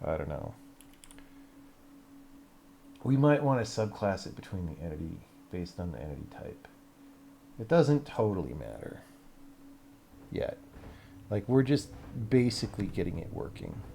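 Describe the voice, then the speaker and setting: A man's voice: low-pitched, very animated, unhurried, vocal fry, pauses often, warm tone, slight background noise. A man live streaming as he programs a game, thinking aloud casually in short fragments, blunt and sardonic, with casual swearing. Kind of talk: casual off-the-cuff coding commentary.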